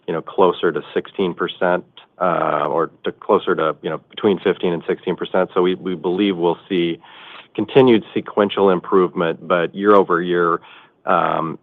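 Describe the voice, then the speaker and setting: A man working as a finance chief, answering earnings call questions in a halting way, often rephrasing. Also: low-pitched, fairly even intonation. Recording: muffled narrowband conference phone line.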